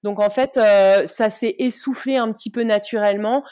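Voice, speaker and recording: A woman in her thirties, a sports coach from the Paris region, answering interview questions in a friendly, halting way with many fillers. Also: medium pitch, fairly even intonation, darkish tone, dry recording, studio quality. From Paris region, France. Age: 30s. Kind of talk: casual interview talk.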